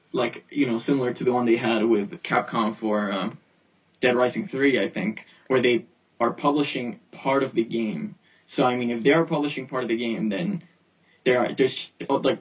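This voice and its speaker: A man chats loosely as a podcast co-host, hesitant and full of fillers. His voice arrives distant and husky, because it plays out of a speaker and is caught by a phone held up to it. The sound is thin and set back from the mic. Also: medium pitch, highs cut off. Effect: remote call voice replayed through a speaker and picked up by a phone. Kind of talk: casual podcast chat.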